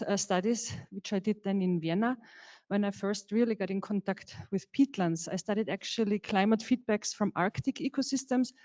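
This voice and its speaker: A woman's voice: medium pitch, warm tone. Casting: middle-aged woman scientist, informal, restarts sentences, slightly dull lo-fi mic. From Austria, Tyrol. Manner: informal, self-correcting. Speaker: ecologist and lecturer. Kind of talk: personal account in a lecture. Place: lecture hall.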